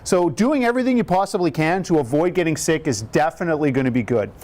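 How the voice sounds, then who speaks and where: A man's voice: lively intonation, fast talker, a little mellow. Upbeat man hosting a health Q&A. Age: 50s. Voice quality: booming voice. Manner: upbeat, conversational, explains plainly with rhetorical questions. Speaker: cardiac rehab educator. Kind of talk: live Q&A talk to a group.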